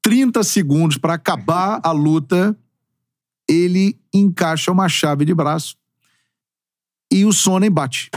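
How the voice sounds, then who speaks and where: A man in his forties, a sports narrator, chatting as a podcast guest in an expressive, talkative storytelling way with casual slang. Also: sits high, measured pace, long pauses, no room sound. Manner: expressive storyteller with emphatic, swooping delivery. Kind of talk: casual interview chat.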